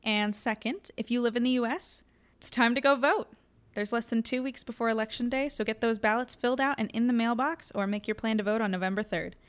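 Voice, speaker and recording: A woman's voice: fairly high pitch, fairly quick, clear, resonant tone. A woman podcast host giving a scripted, conversational announcement to listeners.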